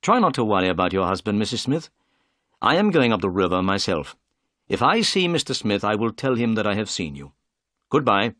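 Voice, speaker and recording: A calm, clever male detective, voiced by a storyteller, brisk and polite, with lively pitch that rises and falls. The sound is dry and close-miked. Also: no room sound.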